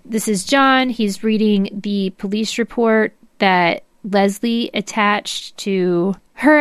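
A woman with a smooth, clear voice hosts a podcast. She introduces and comments in a conversational way, recorded close and dry. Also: mid-range voice, dry recording. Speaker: podcast host. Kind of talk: podcast narration and casual chat.

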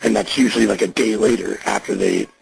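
A man on a recorded jail payphone call, coaching and reassuring the caller in a profane, steady way. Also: on the low side, quick pace, vocal fry, background noise. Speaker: agent on a phone call.

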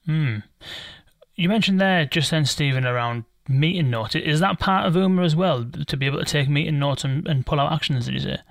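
Gravelly-voiced male host, mid-pitch, dry sound, sums up his guests' points. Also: fairly quick, no echo. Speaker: interviewer. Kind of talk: business interview.

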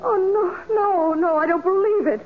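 Lovestruck, desperate young wife, high pitched and melodramatic, thin phone-like old radio recording. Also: female voice, measured pace, faint music behind. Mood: distraught. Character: naive, lovestruck young bride, emotional and desperate. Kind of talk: 1940s radio acting.

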